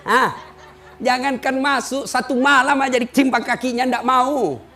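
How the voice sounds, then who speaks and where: A man preaching a humorous sermon, telling stories with mimicked voices and lively rising questions. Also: very high voice, unhurried. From Indonesia.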